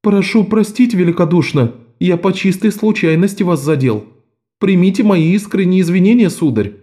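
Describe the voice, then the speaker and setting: A man voicing a young swindler posing as a polite law clerk, smooth and overly courteous. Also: high-pitched, animated, moderate pace, mellow, pitched above the performer's own voice. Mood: apologetic.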